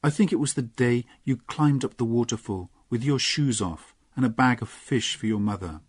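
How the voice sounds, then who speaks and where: Storybook reading: male narrator doing a pleading young lady, husky and dry-sounding. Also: mid-range voice, normal speed, no room sound, voice pushed up, close to an everyday voice. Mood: earnest. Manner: pleading, emotional. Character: young noble lady, loving and earnest.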